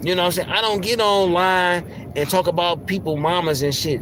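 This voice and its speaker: Noticeable background noise and audible room echo surround this recording. A man with a high pitch speaks in an animated tone. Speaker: livestreamer. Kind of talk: livestream rant.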